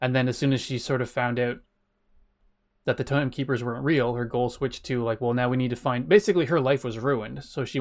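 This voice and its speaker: A man at medium pitch with ordinary pitch variation and a fairly quick pace, on a very clean recording with a silent background. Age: 40s. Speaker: streamer and podcast co-host. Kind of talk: casual chat.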